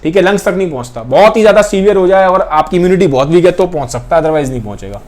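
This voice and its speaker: A man's voice: high voice, expressive, very fast, darkish tone. A young man teaching a biology class, repeating key points and often checking in with his students. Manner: points at pictures while explaining. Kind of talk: explaining a class lesson.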